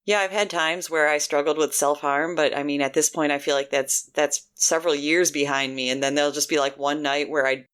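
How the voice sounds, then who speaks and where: A woman's voice: sits low, fairly even intonation, fairly quick, hardly any pauses, fairly bright tone, smooth. A woman co-hosting a podcast, talking in a supportive, rambling way with many restarts. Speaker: podcast co-host. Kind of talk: casual podcast conversation.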